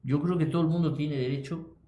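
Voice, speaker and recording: A man hosting a Christian radio talk show, speaking haltingly with many pauses. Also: on the high side, steady tone, dark tone, reverberant. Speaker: radio host.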